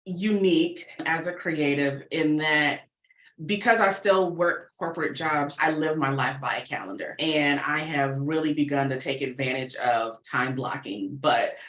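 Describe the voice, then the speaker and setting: A woman's voice: low voice, a little slow, a bit bright, reverberant. An American woman speaking candidly and expressively as a guest in a casual interview, chatting about her creative work. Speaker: guest, audio fiction writer and producer.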